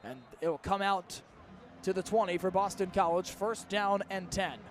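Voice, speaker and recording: A man's voice: sits high, normal speed. A man in his twenties doing live radio football play-by-play in clipped, urgent phrases from a stadium. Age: 20s. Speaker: play-by-play announcer. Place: outdoors at a college football stadium. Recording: outdoor stadium ambience, faint background noise.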